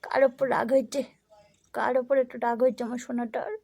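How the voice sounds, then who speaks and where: A woman's voice: on the high side, little pitch movement, quick pace, vocal fry, a little mellow, husky. A woman vlogger from Bengal, cooing at her kitten at home in a lisping baby-talk voice. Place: home room in the USA.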